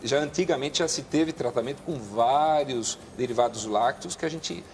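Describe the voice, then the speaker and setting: Calm explaining doctor, a man. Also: medium pitch, normal speed, a little hiss or hum. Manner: calm, explanatory, with frequent restarts. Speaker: guest doctor. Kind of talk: explaining health advice on a TV show.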